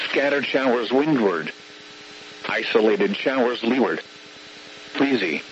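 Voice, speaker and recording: A man reading a scripted forecast in a stilted, impersonal weather radio voice, like an automated announcer, over a radio broadcast. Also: mid-range voice. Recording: hissy, dull radio broadcast.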